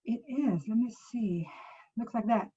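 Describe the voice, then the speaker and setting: A woman's voice: a little high, measured pace, mellow, husky, highs cut off. Swedish-accented woman giving a chatty demo. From Sweden. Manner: chatty, loose, frequent self-corrections. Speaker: presenter. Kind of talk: casual screen-share app demo.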